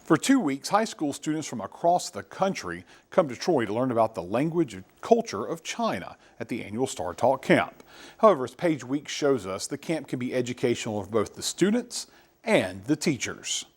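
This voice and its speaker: A man anchors a student newscast, reading lead-ins from a script. His intonation is lively, with a mid-range pitch. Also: moderate pace, slightly rough. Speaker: news anchor. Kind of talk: news anchoring.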